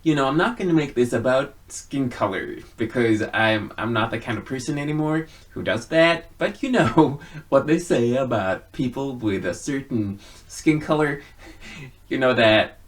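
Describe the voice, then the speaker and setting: A man giving a casual personal monologue to viewers in an earnest, halting way, with frequent pauses. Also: mid-range voice. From Sweden. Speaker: video blogger.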